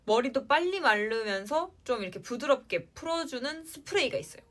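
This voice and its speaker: A young woman in her twenties hosting a casual livestream, answering fans in a chatty way and trailing off softly at the ends of her lines. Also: sits high, animated, fairly quick. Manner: chatty, playful sound words, trails off at line ends. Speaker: idol livestream host.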